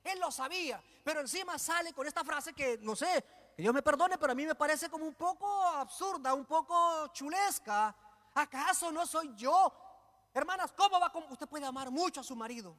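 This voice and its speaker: A man preaching a sermon in church, animated and joking with the congregation. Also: very high voice, a little fast, big-room sound.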